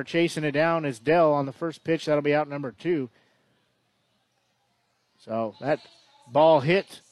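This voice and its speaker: A man with a slightly high voice calls a baseball game play by play in a chatty, conversational way, frequently correcting himself. The recording is dry.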